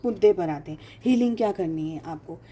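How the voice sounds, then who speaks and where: Low-pitched, brisk and dark in tone, a woman gives an informal tarot reading with a little hiss or hum in the recording. She talks emphatically, repeats phrases for emphasis and weaves English phrases into her speech.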